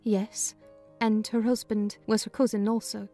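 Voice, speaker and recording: A woman's voice: medium pitch, flat delivery, measured pace, dark tone, faint music behind, lightly acted. A woman reading a kindly, talkative older housekeeper in a dramatized audiobook. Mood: chatty. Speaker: narrator voicing housekeeper.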